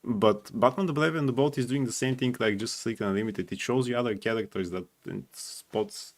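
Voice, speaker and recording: A man chatting casually and giving his opinions as a fan panelist, often halting and repeating words as he goes. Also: medium pitch. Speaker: panelist on a fan ranking show.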